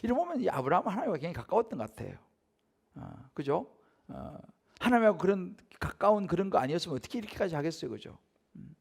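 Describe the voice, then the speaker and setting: A man's voice: high-pitched, very animated, quick pace, creaky, darkish tone, breathy edge. A middle-aged male pastor giving a Wednesday evening sermon in a church, talking conversationally, often asking the congregation to agree and acting out haggling voices. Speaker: senior pastor. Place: church sanctuary.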